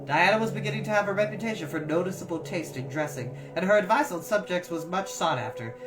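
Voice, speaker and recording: A woman reading a classic novel aloud as a storyteller, expressive and lingering over phrases. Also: on the low side, quick pace. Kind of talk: scripted narration, storybook reading. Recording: distant mic with music behind. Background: music.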